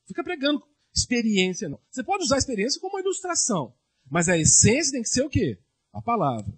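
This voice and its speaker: A man's voice: sits high, husky. A man preaching a sermon as a pastor, asking his congregation rhetorical questions.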